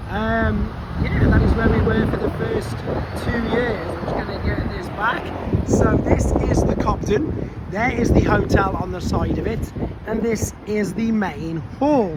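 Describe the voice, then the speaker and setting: This toy vlogger has a high-pitched voice, and heavy background noise surrounds him. He chats casually while filming a walk-around vlog of a convention venue, rambling, restarting often, and losing his voice.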